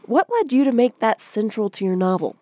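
A woman with a fairly high voice hosts a public radio show. She speaks clearly and composedly. The studio sound is dry and close. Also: sing-song, fairly quick, mellow, no echo.

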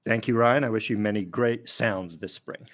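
A man who grew up in France talks as a guest biologist in a radio interview. His voice sits low, and he explains things patiently, with the odd chuckle along the way. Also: normal speed. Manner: thoughtful, explanatory, chuckles while talking.

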